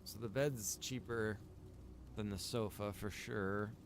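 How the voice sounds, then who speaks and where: Guy streaming a game, kinda low voice, chill informal chat thinking out loud, bit of rumbly noise behind him. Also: steady tone, takes it slowly. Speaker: game livestreamer and server developer. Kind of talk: casual livestream chat while playing a survival roleplay game.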